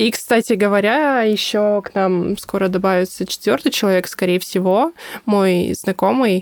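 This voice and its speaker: A woman speaks at a fairly slow pace in an ordinary speaking voice. Her pitch is medium, with ordinary variation. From Russia, Krasnodar. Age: 20s. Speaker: musician and food courier. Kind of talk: interview storytelling. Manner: casual.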